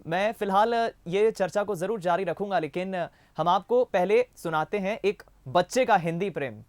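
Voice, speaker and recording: A man hosting a news show, leading a formal studio discussion with measured speech and some restarts. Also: high voice, dry recording.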